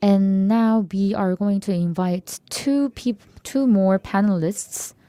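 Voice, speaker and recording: A woman's voice: mid-range voice, slow, mellow. A woman moderating a forum, plainly summarizing the last talk and introducing the next panelist.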